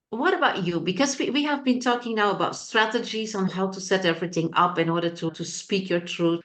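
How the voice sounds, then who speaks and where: A woman hosts an interview and puts questions to her guest. She talks in a relaxed, conversational way and is quick to affirm what she hears. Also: mid-range voice. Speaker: interview host.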